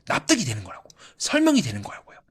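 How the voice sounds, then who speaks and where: Brief: male commentator, quick delivery, lively swinging pitch, posing and answering his own questions. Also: husky. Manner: asks rhetorical questions and answers them; lively, acts out quoted voices. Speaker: YouTube psychoanalysis commentator. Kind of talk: analytical commentary on a reality show.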